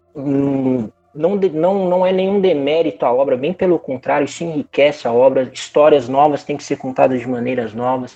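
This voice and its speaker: A man's fairly high voice at a moderate pace, ordinary pitch variation, music playing in the background. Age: 30s. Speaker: rock band vocalist and gamer. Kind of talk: casual chat.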